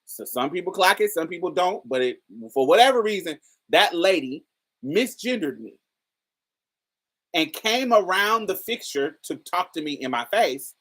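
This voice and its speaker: A woman with a particularly deep voice, hosting a casual commentary and talking straight to her viewers in an emphatic, chatty way. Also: expressive, moderate pace, a bit bright. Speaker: host.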